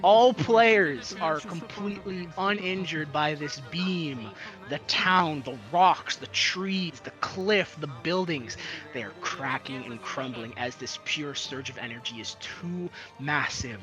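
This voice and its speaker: A man's voice: on the high side, takes it slowly, rough recording. A man narrating as game master of an online roleplay, describing events with dramatic, building intensity. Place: online voice chat. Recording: background music.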